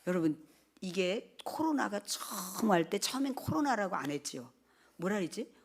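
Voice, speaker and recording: An older woman pastor giving a sermon testimony, telling her story with lively, animated delivery and acting out quoted speech. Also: medium pitch, normal speed, slightly rough.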